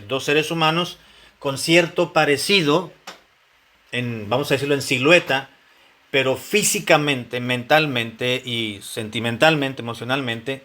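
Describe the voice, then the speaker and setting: A man's voice: medium pitch, sharp tone. A man teaching a Bible lesson to married couples, conversational, repeating himself and asking the congregation questions. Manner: conversational preaching with questions to the congregation and frequent repetitions. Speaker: pastor teaching a Bible study.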